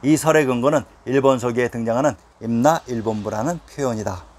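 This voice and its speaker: Man, mid-pitched voice, scripted history narration, measured declaiming delivery, scornful edge. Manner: reads lists of place names in a measured, declaiming way; openly scornful of mainstream historians.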